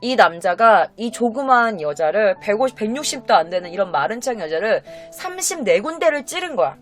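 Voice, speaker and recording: Animated woman telling a true crime story. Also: medium pitch, a little fast, soft background music. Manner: animated, acts out quotes, talks straight to viewers. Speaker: horror storyteller, streamer. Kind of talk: casual spoken storytelling.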